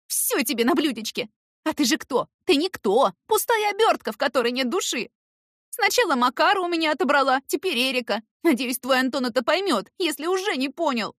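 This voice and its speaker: A bitter, jealous young woman, put on by a woman reader, hurls accusations in a high, shrill voice that keeps breaking toward tears. She sounds dry and close, as in an audiobook. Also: expressive, a little fast, fairly bright tone, no echo. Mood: hateful.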